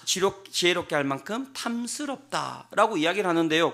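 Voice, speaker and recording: Guy pastor preaching a revival sermon in church, high bright voice, swoops up loud for emphasis. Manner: acts out biblical speakers in dramatic voices, rising to loud emphasis. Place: church sanctuary.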